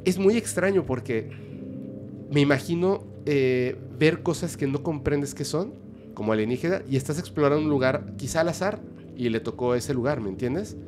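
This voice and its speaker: A man, a podcast guest telling an eerie story in a lively, casual storytelling manner. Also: on the high side, moderate pace, music in the background. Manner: animated, vivid storyteller.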